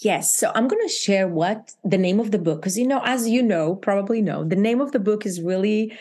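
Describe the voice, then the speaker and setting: A woman from Israel with an Israeli accent, an author talking animatedly about her book in an interview, often laughing and jumping higher for emphasis. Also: fairly quick, dark tone. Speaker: author guest. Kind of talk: interview chat.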